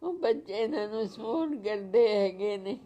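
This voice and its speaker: A woman's voice: mid-range voice, lively intonation, normal speed, warm tone. An elderly woman, speaking tearfully and emotionally with a breaking voice. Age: older.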